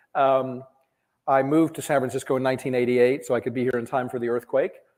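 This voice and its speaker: This man talks at a very fast pace with an American accent. His pitch sits in the middle range, and his intonation stays monotone and flat. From Kansas. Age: 60s. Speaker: entrepreneur and creative director. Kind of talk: talk to a live audience. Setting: event room with audience, also streamed online. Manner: hesitant, many fillers.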